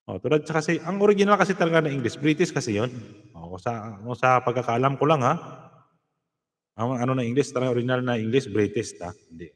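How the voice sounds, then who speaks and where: A man hosting a casual live stream, reading out viewer comments and giving shout-outs, laughing often. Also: medium pitch, fast talker, long reverb tail. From Philippines.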